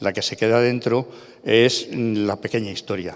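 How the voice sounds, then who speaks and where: Against noticeable background noise, a man talks at a medium pitch and a moderate pace. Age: 70s. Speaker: photographer. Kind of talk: panel talk. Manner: halting.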